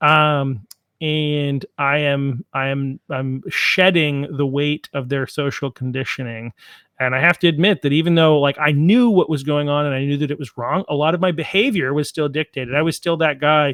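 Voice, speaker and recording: This man has a plain, everyday voice, fairly high in pitch with ordinary pitch variation. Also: moderate pace. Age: 40s. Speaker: podcast co-host. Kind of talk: casual chat.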